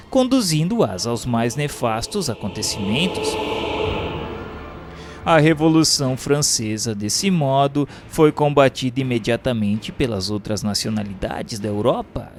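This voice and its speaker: A man with a Brazilian accent narrating scripted radio history in a grave, formal, dramatically declaimed style. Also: mid-range voice.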